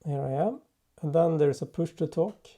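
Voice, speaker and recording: A man presenting an unscripted software tutorial in a halting way, thinking aloud as he works. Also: a little high. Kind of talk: unscripted software demo narration.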